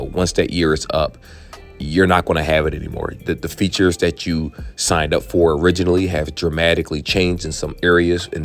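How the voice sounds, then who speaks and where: Hoarse, very deep-voiced man. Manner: chatty, frank, drifts into asides. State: hoarse, voice worn out. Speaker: tech channel host. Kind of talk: casual explainer talking to viewers.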